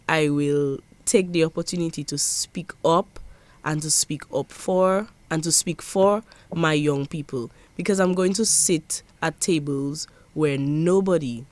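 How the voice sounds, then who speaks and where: A woman's voice: deep voice, dry recording. Earnest young Dominican woman, dry sound. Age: young adult. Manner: earnest, emphatic, with repeated restarts. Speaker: parliamentary secretary. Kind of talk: interview.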